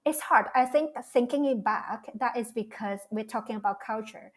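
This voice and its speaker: A woman's voice: on the high side, normal speed. A woman, talking as an interview guest in a reflective way, often restarting her phrases as she thinks aloud. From Malaysia. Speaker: guest, cultural strategist. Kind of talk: casual interview talk.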